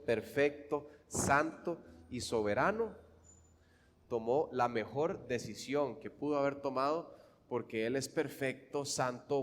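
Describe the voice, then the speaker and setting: A man with a Costa Rican accent preaching a sermon, swinging fervently from hushed, quiet lines to loud, emphatic ones. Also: medium pitch, big-room sound, slight background noise. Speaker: pastor.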